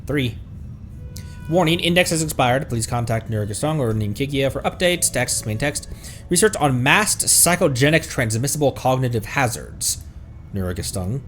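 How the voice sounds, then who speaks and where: A man streaming a video game, giving commentary and reading in-game text aloud, sometimes halting and repeating words as he goes. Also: medium pitch, lively intonation, fairly bright tone. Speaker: streamer, host of a gaming livestream. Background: game music.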